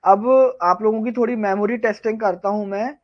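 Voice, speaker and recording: A male tutor giving a live online revision lecture, firing off quiz questions and answering them himself, slowing down to dictate key terms. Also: high-pitched, fairly even intonation, highs cut off. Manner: quizzes viewers, then answers his own questions. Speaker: pharmacognosy tutor.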